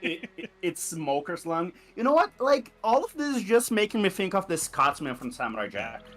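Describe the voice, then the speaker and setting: Lively, bright-voiced wisecracking man. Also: high-pitched, normal speed, faint music behind. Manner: wisecracking, swears, quizzical. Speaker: co-streamer. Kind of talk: casual let's-play banter.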